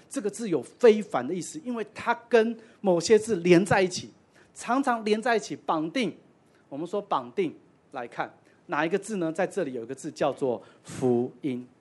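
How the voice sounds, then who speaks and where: A man preaching a sermon as pastor, conversational with self-deprecating asides. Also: high voice.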